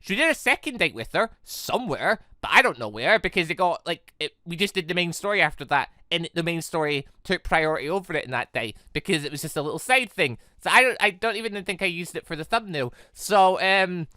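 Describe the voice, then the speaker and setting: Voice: mid-range voice, lively intonation, a little fast, few pauses, bright, forceful tone, dry recording, studio quality. A gaming video host giving casual, rambling commentary, chatty and digressive, often doubling back to correct what was just said.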